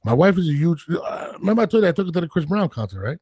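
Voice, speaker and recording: A man's voice: a little high, sing-song, very fast, darkish tone, husky, no echo, studio quality. A married man in his thirties co-hosting a podcast, blunt, profane and jokey in a casual chat. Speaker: podcast co-host.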